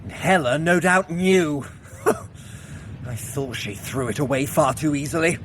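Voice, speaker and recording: An actor playing a sly, witty trickster god with a wry, theatrical manner in an audio adventure. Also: male voice, on the high side, slow pace, a bit bright, slight background noise, low-quality recording. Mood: rueful, dismayed. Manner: wry, theatrical, hesitant when evasive. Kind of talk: dramatised audio adventure for runners.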